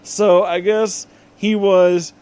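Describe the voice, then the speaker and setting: Sitting high but delivered flatly, his warm, smooth voice carries a comedic dramatic reading of fan fiction. He sounds out each misspelling as written and adds asides.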